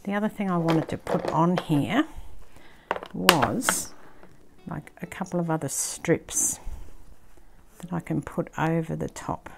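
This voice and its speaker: An older woman with an Australian accent, casually thinking aloud as she works on a craft project, sometimes dropping into a soft near-whisper. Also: deep voice, slow, creaky, long pauses, over music. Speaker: craft channel host. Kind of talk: casual craft-along commentary. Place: indoor craft table, filmed from overhead.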